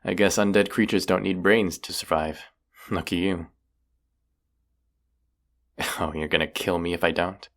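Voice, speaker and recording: A cocky young vampire hunter acted by a man for an audio roleplay. His voice sits very deep, with heavy gravelly fry. He talks in casual slang, teasing and sarcastic, and is quick to mock himself. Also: steady tone, a bit bright. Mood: teasing, defiant.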